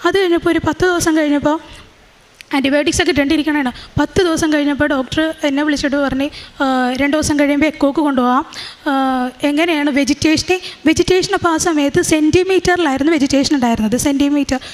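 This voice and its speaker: A young woman giving a religious testimony, halting, with many fillers and restarts. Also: sits high. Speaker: testimony speaker. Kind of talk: religious testimony, personal account.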